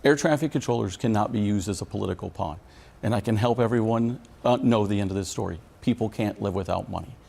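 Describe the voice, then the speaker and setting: A middle-aged American union leader for air traffic controllers answers news interview questions earnestly and emphatically. His voice is lowish, gravelly and warm, and he talks at a quick pace.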